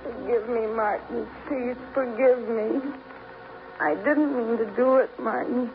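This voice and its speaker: A lovesick showgirl, slow and gravelly, from tinny vintage radio. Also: a little high, soft background music. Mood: swooning. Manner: theatrical, swooning, lovesick. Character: melodramatic showgirl in a hospital bed, young woman. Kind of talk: 1950s radio drama acting. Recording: tinny old radio broadcast.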